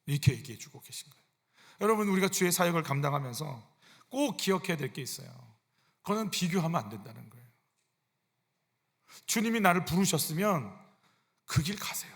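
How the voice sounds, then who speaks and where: A man's voice: fairly high pitch, very animated, quick pace. A man, a senior pastor, preaching a sermon in a conversational style, asking his congregation frequent rhetorical questions. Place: church sanctuary. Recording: long church hall reverb.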